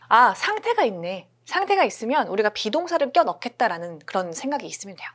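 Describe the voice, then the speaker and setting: A woman teaching an English grammar lesson, explaining step by step, often checking in with listeners and repeating example sentences slowly. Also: a little high.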